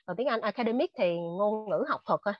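Speaking fairly quickly in a medium-pitched voice, the woman keeps sharing earnest advice as a guest on a casual video call. Fillers and restarted sentences crop up constantly, and the dull, lo-fi audio carries no echo.

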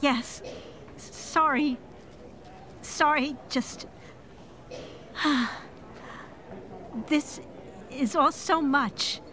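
A woman's voice: high voice, fairly even intonation, extremely slow, long pauses, bright, forceful tone, heavily acted. An actress playing an anxious, flustered city woman, fretful and hesitant, in a pulp radio drama. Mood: shaken, overwhelmed. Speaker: actor in an audio drama.

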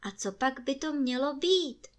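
An eager, polite young wanderer from a fairy tale, as a woman reader puts him on, speaking in a raised, bright voice. He sounds willing and earnest. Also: sits high, animated, pitched above the performer's own voice.

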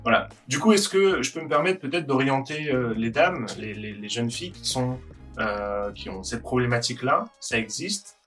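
A man hosting a Christian video talk, encouraging viewers with many halting restarts. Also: mid-range voice, expressive, fairly bright tone, faint music behind. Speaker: host of Christian video channel.

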